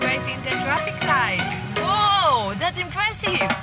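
A woman talks at a moderate pace over loud background music. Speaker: vlogger. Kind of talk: casual vlog chat. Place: car. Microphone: phone near.

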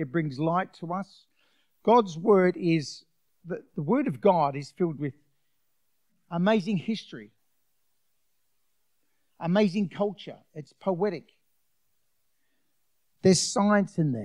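Against a quiet background, a man with a high pitch talks at a very slow pace, his intonation lively and his pauses long and frequent. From Western Australia. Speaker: pastor. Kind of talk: sermon delivered to a congregation. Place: church. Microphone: handheld.

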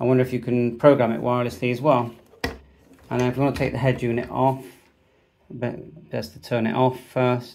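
Speech moves at a moderate pace with long, frequent pauses. Light background noise can be heard. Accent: British. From UK. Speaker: amateur radio hobbyist YouTuber. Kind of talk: product unboxing and demo. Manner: casual, hesitant with fillers. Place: home room. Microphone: phone near.

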